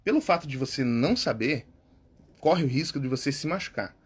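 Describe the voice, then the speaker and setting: A man with a Brazilian Portuguese accent giving a casual lesson as a public speaking coach, repeating key words and tagging his phrases with quick check-ins. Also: medium pitch, animated, husky. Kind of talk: casual instructional talk.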